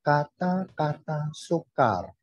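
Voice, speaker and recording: A man learning a language, carefully and haltingly reciting drill sentences over an online call. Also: on the high side, animated. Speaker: language student. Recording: dull, roomy online call recording.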